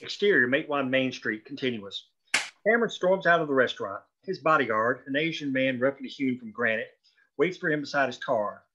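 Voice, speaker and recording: A man's voice: medium pitch, animated, a little fast, noisy background. A man reading screenplay stage directions as scripted narration at a table read, on dull lo-fi audio.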